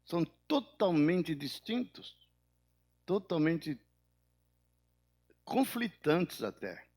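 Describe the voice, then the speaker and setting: An older male pastor preaches with a voice pitched slightly high for a man. He swings between loud, rising peaks and quiet, low drops. He acts out the people in his stories in a higher voice. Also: very animated, extremely slow. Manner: preaching with sudden rises in pitch and volume, then dropping low. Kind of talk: sermon.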